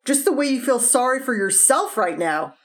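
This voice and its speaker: A stammering, anxious wife. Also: female voice, sits high, lively intonation, normal speed. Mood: pleading firm. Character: devoted wife of a heart patient. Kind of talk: 1950s radio drama acting.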